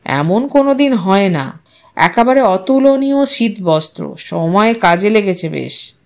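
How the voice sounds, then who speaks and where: A woman voicing a mild, affectionate husband in an audio story, soft, unhurried and gently teasing. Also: medium pitch, very animated, vocal fry. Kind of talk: audio story character acting.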